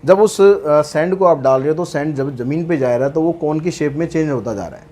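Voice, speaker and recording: A man's voice: a little high, brisk, a little mellow. A man teaching maths, walking through worked problems in a chatty way with asides and jokes. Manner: chatty, mixes English terms into speech, light jokes.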